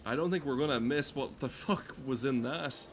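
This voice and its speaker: A man's voice: mid-range voice, normal speed, a little hiss or hum. A man streaming a game with casual, rambling commentary, sardonic and given to swearing.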